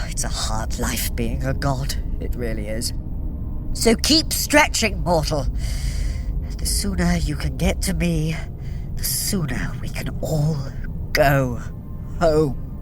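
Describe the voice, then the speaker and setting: A woman's voice: low voice, big pitch swings, takes it slowly, music in the background, exaggerated voice. A woman playing a sardonic, self-pitying trickster god in an audio adventure, with theatrical, drawling asides to the listener. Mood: weary, wistful. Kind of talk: immersive audio adventure acting, addressing the listener.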